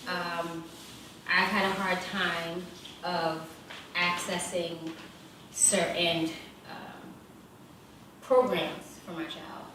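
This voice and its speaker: A woman's voice: fairly low pitch, little pitch movement, very slow, long pauses, noisy background. A woman on a panel speaking as a parent, matter-of-fact and personal. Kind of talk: panel discussion. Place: event hall. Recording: echoey hall from far off.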